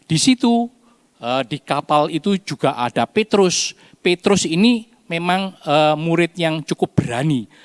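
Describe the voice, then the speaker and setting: A man teaching a children's Bible lesson, telling the story with animated storytelling and acting out the cries. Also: on the high side, unhurried, clear, resonant tone, no echo. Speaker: Sunday school teacher.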